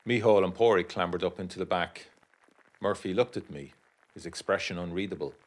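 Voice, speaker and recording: Low, brooding male narrator. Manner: measured, brooding, literary storytelling. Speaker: first-person narrator of an audio drama. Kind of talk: scripted dramatic narration.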